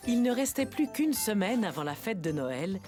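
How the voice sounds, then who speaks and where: A woman narrating a children's cartoon in a calm, clear storytelling tone. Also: medium pitch, normal speed, close to an everyday voice. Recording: studio narration with music bed.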